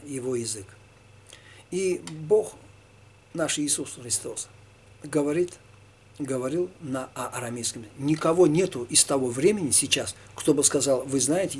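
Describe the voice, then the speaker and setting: Husky man answering faith questions. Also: mid-range voice. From Tatarstan, Russia. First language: Tatar. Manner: halting, with many fillers and restarts. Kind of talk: informal religious talk answering questions one by one.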